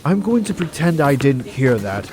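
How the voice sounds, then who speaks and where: An actor playing an earnest, overworked hospital doctor in an audio drama, articulate and patient with some exasperation. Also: male voice, on the high side, sing-song, normal speed, darkish tone, slight background noise. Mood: firm.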